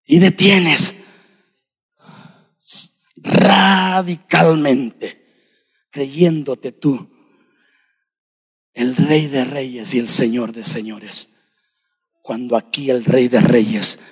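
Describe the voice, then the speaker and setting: A husky-voiced man preaching in a church, his slightly high voice trailing off in a long hall reverb. He delivers the sermon slowly, addressing the congregation directly and swinging between shouting and hushed speech. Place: church sanctuary.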